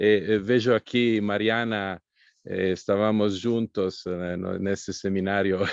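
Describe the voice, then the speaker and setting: A man with an Italian accent speaks at a fairly slow pace in a fairly low pitch, his intonation monotone and flat. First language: Italian (speaking Portuguese). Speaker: author and philosophy professor. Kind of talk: lecture. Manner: halting, many hesitations.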